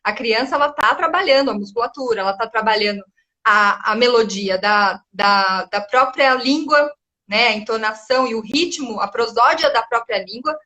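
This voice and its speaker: Woman educator, bright and fairly high voice, patient explainer. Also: normal speed. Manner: explanatory, often ends with "né?". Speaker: guest educator. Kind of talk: casual live chat.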